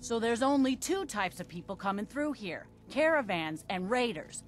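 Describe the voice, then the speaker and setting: A woman's voice: fairly high pitch, animated, normal speed, slight background noise, natural voice. A woman playing a stern, weary middle-aged gatekeeper in a video game, blunt and no-nonsense. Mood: stern, businesslike. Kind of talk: video game dialogue acting.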